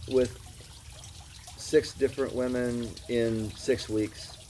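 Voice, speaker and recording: Over noticeable background noise, a man with an American accent speaks at a very slow pace. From California, US. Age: 60s. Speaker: interviewee, retired traveler. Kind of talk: casual interview conversation.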